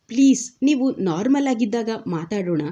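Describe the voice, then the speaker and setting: Storybook narrator's young wife, hushed and pleading, mellow tone, as a woman puts her on. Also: fairly high pitch, lively intonation, moderate pace.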